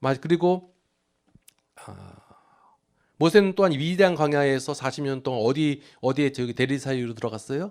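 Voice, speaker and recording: Lively intonation marks this man's speech on a very clean recording with a silent background. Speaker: pastor. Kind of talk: sermon. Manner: halting.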